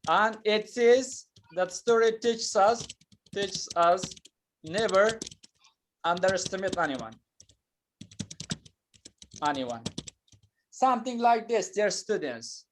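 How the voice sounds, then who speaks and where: A man teaching an English lesson, explaining patiently and slowly with many hesitations and fillers. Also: high-pitched, animated, noisy background. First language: not Turkish.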